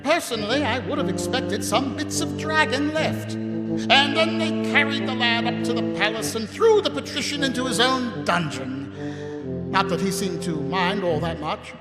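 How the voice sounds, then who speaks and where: A man's voice: very high voice, normal speed. A man playing a weary, sardonic middle-aged watch captain in live audio theatre, rambling and wry. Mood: wry musing. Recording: echoey live stage hall, music behind.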